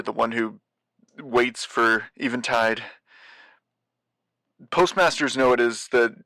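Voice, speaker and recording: Weary, haunted postmaster, dry close sound. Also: male voice, medium pitch, fairly bright tone, no echo, low-quality recording. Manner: halting, searching for words, grave. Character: weary, haunted male postmaster of a doomed city. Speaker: guest voice actor. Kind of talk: audio drama monologue, recorded message.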